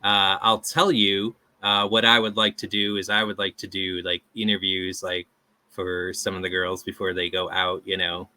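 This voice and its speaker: A man interviewing a guest in a relaxed chat, halting often with fillers and small chuckles. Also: deep voice, dry recording. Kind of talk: casual interview.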